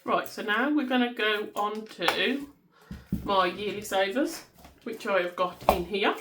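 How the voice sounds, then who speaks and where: A woman's voice: medium pitch, unhurried, noisy background. Chatty Black Country woman counting cash. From West Midlands, England. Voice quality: loud voice. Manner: chatty, rambling, counts notes aloud. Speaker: budgeting vlogger. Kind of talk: casual chat while counting cash. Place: home desk, indoors.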